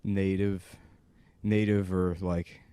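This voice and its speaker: A man's voice: sits low, level tone, mellow, smooth, dry recording. A man co-hosting a comedy podcast, riffing in crude, rambling banter. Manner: rambling, riffing, doing quick goofy voices. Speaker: podcast co-host.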